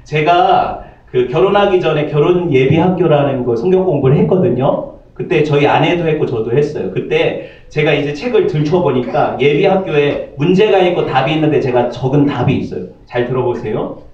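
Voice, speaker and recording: Man, pastor, sermon, jokes with the congregation, somewhat high voice, far from the mic, dull audio. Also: normal speed, darkish tone. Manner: joking, asks the congregation questions. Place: church sanctuary. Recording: distant, echoey, slightly dull church audio.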